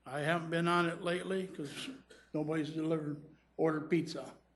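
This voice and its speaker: A man speaks in a high voice with fairly even intonation. Audible room echo surrounds him. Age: 60s. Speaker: public commenter, retired janitor and pizza driver. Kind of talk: public comment. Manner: informal, conversational.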